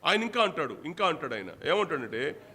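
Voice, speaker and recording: In a Telugu church sermon, a pastor fires repeated rhetorical questions at his congregation and repeats phrases for emphasis. His slightly high voice is sing-song, brisk, bright and forceful.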